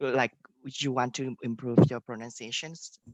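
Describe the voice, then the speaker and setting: Speaking with a Vietnamese accent, a man holds a medium pitch and a moderate pace. The sound is dry and close with no echo, over a quiet background. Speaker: English speaking club host. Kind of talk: casual group video chat.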